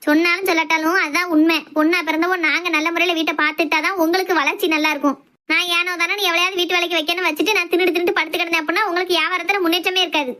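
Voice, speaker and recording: A woman playing a sharp-tongued middle-aged housewife and strict mother, talking sarcastically. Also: very high voice, steady tone, very fast. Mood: scolding. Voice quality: scolding, sarcastic. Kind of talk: comic family skit.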